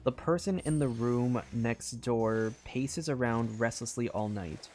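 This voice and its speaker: A man streaming a game, reacting excitedly and reading game text aloud in casual commentary. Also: mid-range voice, measured pace. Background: faint game music.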